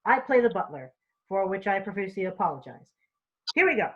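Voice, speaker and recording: A slightly muffled, lo-fi recording of a woman announcing sketches. Her pitch is medium, and she presents like a performer reading stage directions at a virtual reading. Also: sing-song, fairly quick, slightly rough. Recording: slightly dull lo-fi audio.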